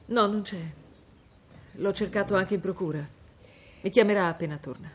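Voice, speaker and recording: A woman's voice: mid-range voice, moderate pace, natural voice. An actress playing a middle-aged mother under threat, tense and urgent in a TV drama. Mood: tense, resolved. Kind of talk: TV drama acting.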